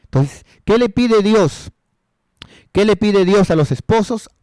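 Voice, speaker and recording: A man's voice: high voice, expressive, slow pace, warm tone, no echo, studio quality. A male pastor giving a counseling sermon, repeating rhetorical questions and calling his listeners brother and sister.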